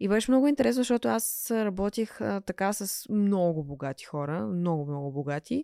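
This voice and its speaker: A woman with a dark, mellow tone at a medium pitch speaks at a moderate pace with very wide pitch swings and hardly any pauses, in a dry, close sound with no echo. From Russia. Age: 20s. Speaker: Instagram influencer and blogger. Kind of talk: casual interview chat. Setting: studio.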